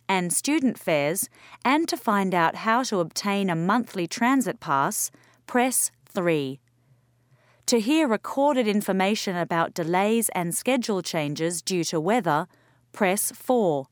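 A woman performs an automated phone greeting for a public office. She is polite, measured and businesslike at a medium pitch, in a dry studio sound. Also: clear, resonant tone, no echo, natural voice. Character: female recorded phone menu voice for transit office.

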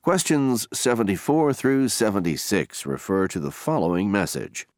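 A man reading scripted listening test instructions and questions in a formal, deliberate way. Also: on the low side, no echo, clean studio sound.

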